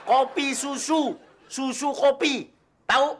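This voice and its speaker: A man's voice: extremely high pitch, slow, fairly bright tone, heavily acted. An actor playing a fussy, bossy older master in a sitcom. He grumbles and acts indignant. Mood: grumbling. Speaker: sitcom character, an elderly employer called Pakde. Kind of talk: sitcom acting.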